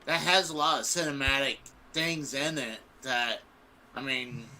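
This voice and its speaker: A man giving opinions in a casual panel discussion, halting and repeating himself. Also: medium pitch, steady tone, pushed and bright, a little hiss or hum.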